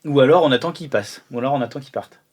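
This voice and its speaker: A man's voice: mid-range voice, fast, darkish tone. A man chatting casually as a player in a tabletop role-playing game. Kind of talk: casual banter.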